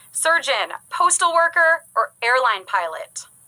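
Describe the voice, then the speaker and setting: In a dry, close sound with no echo, a woman projects her raised voice with a bright, sharp, upbeat and energetic tone, lively intonation and a moderate pace. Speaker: game show host. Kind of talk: live trivia game show hosting. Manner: upbeat, energetic.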